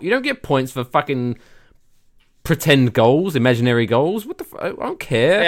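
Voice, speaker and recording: On a very clean recording with a silent background, a man with an English accent speaks at a fairly high pitch with very wide pitch swings. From England, now living in America. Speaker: podcast co-host.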